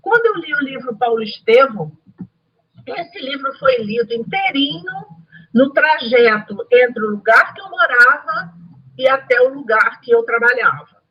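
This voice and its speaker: A woman's voice: high voice, expressive, unhurried, slightly rough. A Brazilian woman giving an online study lesson to a spiritist group, talking in an earnest, emphatic way and repeating key phrases. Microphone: video call or webcam. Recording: dull lo-fi home recording.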